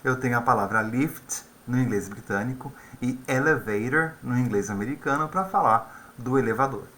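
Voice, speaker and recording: A man's voice: mid-range voice, normal speed, fairly bright tone. A man teaching an English lesson in a conversational way, often tagging his sentences with questions. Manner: conversational, with frequent tag questions. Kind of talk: video lesson explaining vocabulary.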